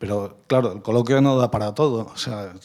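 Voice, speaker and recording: Pitched in a medium range, the man talks with ordinary pitch variation. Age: 60s. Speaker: audience member asking question. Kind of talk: public Q&A comment. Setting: public colloquium with audience. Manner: halting, many fillers.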